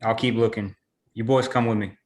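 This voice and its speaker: An actor playing a wary, steady small-town man who leads a search, at a script table read. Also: lowish voice, a little fast, lightly acted. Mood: grim, commanding.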